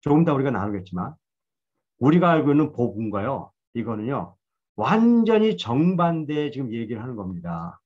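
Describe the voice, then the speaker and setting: A man's voice: mid-range voice, very animated, moderate pace, highs cut off. A man giving a Bible lecture in a conversational, storytelling way, admitting his own past mistakes. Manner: conversational, self-deprecating storytelling.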